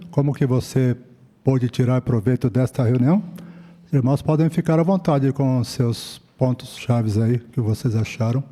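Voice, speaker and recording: A man with a very dark, mellow voice chairs a congregation meeting and speaks formally and courteously. His voice echoes with a long hall reverb. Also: mid-range voice. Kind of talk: closing remarks at a congregation meeting.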